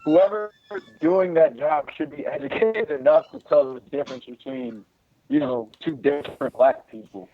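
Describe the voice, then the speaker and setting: A man with a slightly higher voice talks over a video call that keeps breaking up and cutting out. The dull, lo-fi line muffles him as he repeats words in quick emphatic bursts during a casual political chat. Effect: choppy video call audio breaking up.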